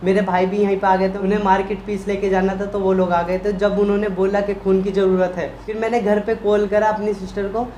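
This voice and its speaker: A man's voice: sits high, brisk, hardly any pauses, lo-fi sound, slight background noise. Man recounting a story in an echoey room. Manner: emotional, animated retelling with quoted voices. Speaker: vlogger, husband. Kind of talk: casual storytelling chat.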